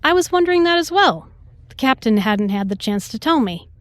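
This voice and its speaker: A woman's voice: sits high, sing-song, a little fast, no echo. A woman acting a self-assured, protective starship doctor in a sci-fi audio drama, composed and pointed in her delivery. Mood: politely probing.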